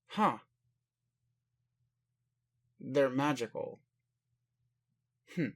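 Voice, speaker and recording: Man playing a slow-spoken, puzzled alien caretaker. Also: on the high side. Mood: curious, yielding. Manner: formal, halting, inquisitive, literal-minded. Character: puzzled, caring male alien caretaker aboard his spaceship. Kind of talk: roleplay audio addressed to the listener.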